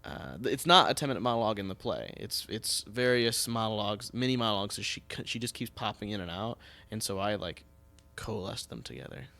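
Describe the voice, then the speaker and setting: A man hosting a podcast in a casual, conversational way. His voice has a creaky, gravelly fry to it, and he talks loosely, as if chatting with a friend. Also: lowish voice, animated, a little fast, few pauses, pushed and bright. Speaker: podcast host.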